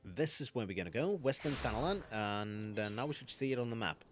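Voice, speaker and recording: A man's voice: medium pitch, lively intonation, a little fast, soft background music. A man streaming a game, chatting casually and explaining the mechanics as he plays, often restarting his sentences. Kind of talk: casual gaming commentary.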